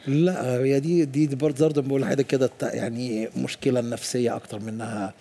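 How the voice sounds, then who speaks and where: A man's voice: mid-range voice, steady tone, fast talker, creaky, mellow, breathy edge. A middle-aged man with an Egyptian Arabic accent, a pediatrician explaining things at length in a TV interview, often repeating words as he restarts. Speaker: pediatrician guest.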